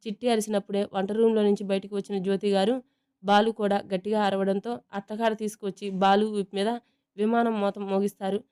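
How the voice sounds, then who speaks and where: A woman's voice: medium pitch, flat delivery, quick pace, mellow, clear, resonant tone. A woman reading a family story aloud as narrator, giving each character's lines in her own voice.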